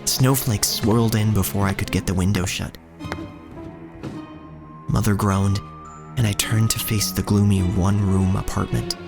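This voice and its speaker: A man playing a solemn narrator who tells of a poor street childhood in measured, scripted audio drama storytelling. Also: fairly low pitch, fairly even intonation, gravelly. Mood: somber, measured. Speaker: first-person narrator. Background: music.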